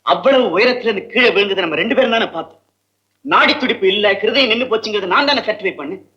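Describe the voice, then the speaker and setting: Quick skeptical doctor, high bright voice, fast and lively. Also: male voice, muffled recording. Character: doubtful doctor resisting the mystery.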